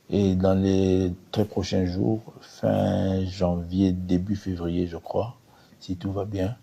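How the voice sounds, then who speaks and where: A man giving a spontaneous, measured interview answer with hesitant phrasing. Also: deep voice, creaky, warm tone, breathy edge.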